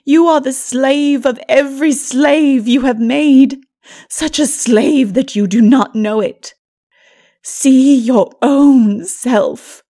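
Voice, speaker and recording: A woman voicing a sorrowful, righteous holy woman in a dark fantasy audiobook, breathy and often near a whisper, solemn and pleading. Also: high voice, slow, exaggerated voice. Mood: stern compassion.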